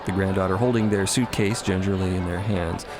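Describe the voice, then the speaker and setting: A man's voice: sits low, steady tone, brisk. A man narrating a scripted audio drama in descriptive present-tense prose. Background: loud music.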